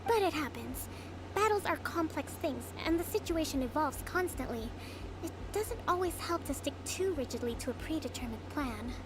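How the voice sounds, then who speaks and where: A woman playing a composed young female leader in a video game, speaking in a measured, formal, thoughtful way. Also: sits high, expressive, background noise.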